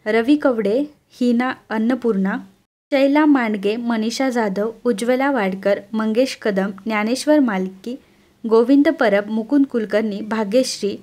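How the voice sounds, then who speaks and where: A woman's voice: on the high side, a little slow, darkish tone. A woman narrating a recap of a TV serial in scripted storytelling style, addressing listeners directly and reading out viewers' names. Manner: addresses listeners as friends, reads long name lists.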